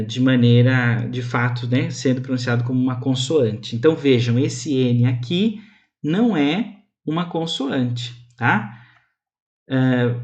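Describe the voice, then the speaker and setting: Slow, careful man teaching pronunciation. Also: mid-range voice. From Brazil. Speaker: university language instructor. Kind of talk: online lecture on phonetics.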